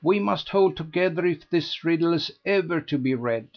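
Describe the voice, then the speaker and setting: A man voicing an excitable, gossipy older society lady who gushes and pleads breathlessly. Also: on the high side, normal speed, muffled recording, pitched above the performer's own voice. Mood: imploring.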